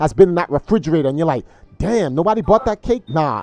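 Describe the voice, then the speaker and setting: Recorded dry and close with no echo, a man speaks in an animated tone with lively intonation. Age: 40s. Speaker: gaming livestreamer. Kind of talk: casual chat. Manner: halting.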